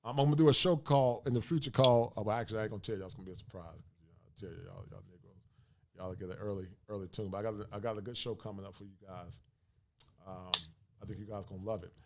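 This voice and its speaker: A man's voice: lowish voice, a bit bright, a little hiss or hum. A man in his forties hosting a podcast, talking casually and joking with his co-hosts, often laughing. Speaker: podcast host.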